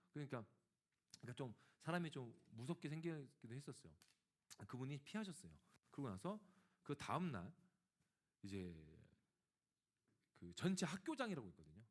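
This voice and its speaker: Male pastor, lively pitch, storytelling sermon that addresses the congregation. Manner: animated storytelling, acting out dialogue; speaks directly to the congregation.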